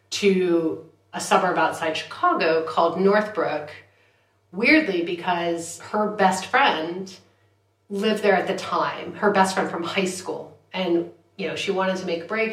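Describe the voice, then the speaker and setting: Chatty woman in an echoey room. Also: on the low side. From United States. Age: 40s. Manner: chatty, laughing, self-deprecating asides. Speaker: guest, journalist. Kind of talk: casual interview. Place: London.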